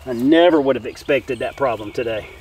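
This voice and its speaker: A man's voice: medium pitch, fairly quick. A man in his forties, a bushcraft host, casually explaining what he does while he works at a forest campsite. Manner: relaxed, talks while working with hands. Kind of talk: casual outdoor instruction. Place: outdoors in a forest camp. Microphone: camera a few feet away. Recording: voice a bit distant with faint outdoor noise.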